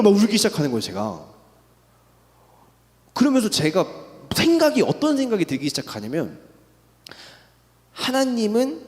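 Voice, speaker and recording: A young man giving an emotional church testimony, telling his story with a voice that rises in intensity. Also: high-pitched. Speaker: testimony speaker. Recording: long reverb in a hall.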